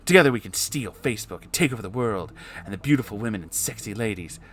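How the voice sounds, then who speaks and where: A man's voice: on the low side, expressive, quick pace, fairly bright tone. A man voicing a sinister male pop-star villain in a sly, tempting tone.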